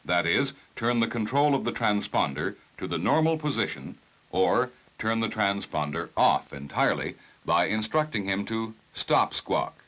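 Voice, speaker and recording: A man reading scripted technical narration for a 1960s instructional film in a formal, measured, precise manner. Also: on the low side, big pitch swings, a bit bright, rough recording.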